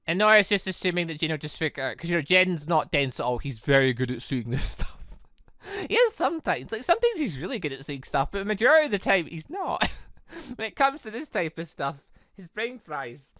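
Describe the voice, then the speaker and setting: A bright, forceful voice with a clean, smooth tone, chatting through a visual novel let's play. The delivery is casual and rambling, wandering off on tangents, and the sound is dry and close. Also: mid-range voice, sing-song, fairly quick, dry recording. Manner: rambling, chatty, frequently side-tracked. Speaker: gaming video creator, narrator.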